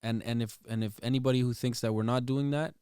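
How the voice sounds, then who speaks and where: A man's voice: medium pitch, steady tone, a little fast, darkish tone, clear, resonant tone, no echo, clean studio sound. A man from Toronto chatting casually as an interview guest, switching between Spanish and English. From Toronto, Canada. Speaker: guest music artist. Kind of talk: casual bilingual interview chat.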